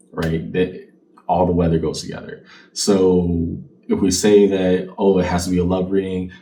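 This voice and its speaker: A man with a deep, warm voice talks casually to the viewer as a tarot card reader telling fortunes. He keeps it conversational and checks in with "right?" The mic is distant, and there's faint background noise.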